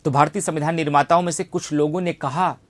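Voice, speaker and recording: A man's voice: fairly high pitch, steady tone, quick pace. A man teaching an online civics class, emphatic, repeating phrases and posing rhetorical questions. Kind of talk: online exam-coaching lecture on civics.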